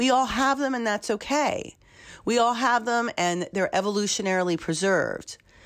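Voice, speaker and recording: A woman with a plain, everyday voice speaks at a moderate pace with ordinary pitch variation and very even loudness. The recording is very clean, with a silent background. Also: fairly high pitch for a woman. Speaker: science podcast host. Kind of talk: news-style recap monologue.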